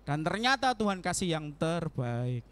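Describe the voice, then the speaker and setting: Lively high-voiced young male preacher. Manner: animated, acts out prayers in quoted voices, laughs often. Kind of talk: casual sermon. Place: church hall.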